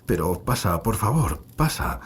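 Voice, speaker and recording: A man playing a gloomy, ailing gentleman who hosts guests in a cursed house, slow and courteous, in a Gothic horror audio drama. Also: fairly low pitch, sing-song, a little hiss or hum. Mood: effusive welcome.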